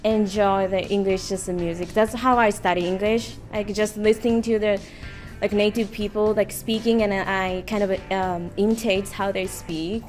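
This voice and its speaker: A woman's voice: medium pitch, steady tone, moderate pace, a little mellow, faint music behind. A young woman from Japan speaking casually, with plenty of "like" fillers. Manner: casual, uses "like" a lot.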